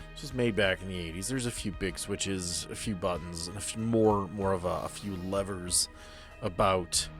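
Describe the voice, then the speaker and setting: A man narrating a tabletop role-playing game as game master in an improvised, conversational way. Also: low-pitched. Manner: casual, conversational.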